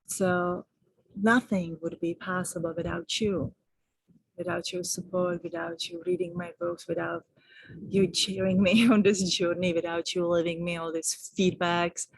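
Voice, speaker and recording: A middle-aged woman giving gentle, affectionate spiritual guidance in a vlog. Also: lowish voice, level tone, a little slow, breathy edge, low-quality recording. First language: Czech. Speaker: spiritual teacher and author.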